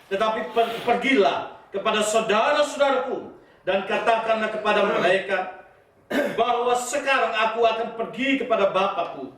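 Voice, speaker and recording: A man's voice: sits high, fairly bright tone. A man reading aloud the risen Jesus's words as scripture, in a raised, earnest voice. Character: risen Jesus speaking gently to a weeping woman. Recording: very echoey hall, voice from far off.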